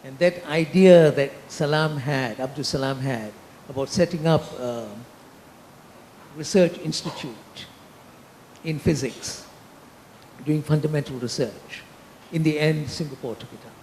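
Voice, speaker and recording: A man's voice: a little high, measured pace, pauses often, a little mellow, a little hiss or hum. A man on a panel explaining a point and trailing off at the end. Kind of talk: panel discussion. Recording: echoey hall, faint ambience.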